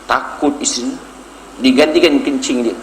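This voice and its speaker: A man with a Malaysian Malay accent preaching a humorous sermon, telling stories with sudden high-pitched punchlines and laughing at his own jokes. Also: steady tone, normal speed, slight background noise. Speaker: Islamic preacher. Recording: echoey hall, faint background ambience.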